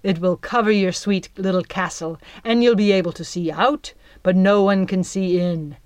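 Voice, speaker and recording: A woman's voice: mid-range voice, moderate pace, clean tone, dry recording, natural voice. A woman reading an audiobook, voicing a scheming young male giant who sweet-talks in a theatrical, coaxing way.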